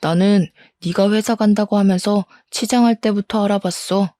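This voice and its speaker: 여자가 연기하는 뻔뻔하게 큰소리치는 중년 남편. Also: female voice, mid-range voice, steady tone, moderate pace, dark tone, no echo, studio quality, lightly acted. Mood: scornful. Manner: blustering, scornful, defensive. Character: angry middle-aged husband caught cheating, defiant.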